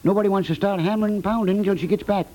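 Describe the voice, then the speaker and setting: Laconic, sentimental American contractor played by a male actor, high-pitched and mellow, folksy 1950s radio comedy. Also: fairly even intonation, very fast, lightly acted, low-quality recording. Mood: matter-of-fact. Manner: laconic, folksy, drops words, guilt-tripping. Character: stolid, folksy building contractor, sentimental about birds.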